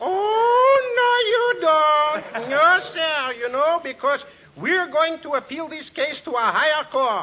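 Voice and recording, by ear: Using a put-on character voice, a man speaks at an extremely high pitch with lively intonation. His pace is slow. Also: few pauses.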